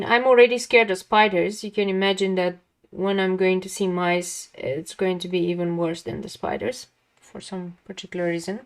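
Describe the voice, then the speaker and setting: A young woman with a calming voice chatting casually with viewers while she draws on a livestream. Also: medium pitch, gravelly. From lives near a big Dutch city. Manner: chatty, talks to chat viewers, laughs often. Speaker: art livestream host. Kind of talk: casual chat while drawing.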